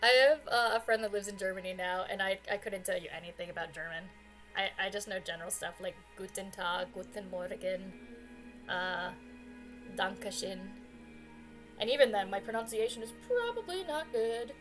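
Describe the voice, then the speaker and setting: A woman hosting a game livestream, chatting casually in an animated, giggly and informal way. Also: medium pitch, normal speed, faint music behind, low-quality recording. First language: English. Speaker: livestream host. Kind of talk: casual game stream chat.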